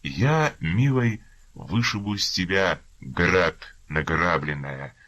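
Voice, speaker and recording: A man voicing a brutal, volatile army staff captain who swings between shouting and false tenderness. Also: sits low, takes it slowly, heavily acted. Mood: mock gentle.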